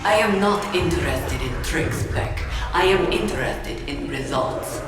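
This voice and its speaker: An actor playing a confident, humorless Soviet scientist in a video game, speaking in clipped phrases. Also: male voice, on the high side, lively intonation, a little slow. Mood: stern. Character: stern, confident Soviet scientist demanding results. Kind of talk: dramatic video game acting. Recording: distant, heavy echo, music behind.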